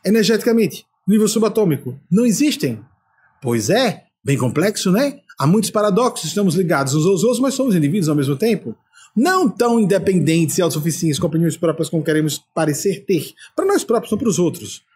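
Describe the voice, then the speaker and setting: A man's voice: sits high, big pitch swings, fast, a little mellow, slight background noise. An older man from Brazil, a spiritual leader giving an emphatic talk full of rhetorical questions.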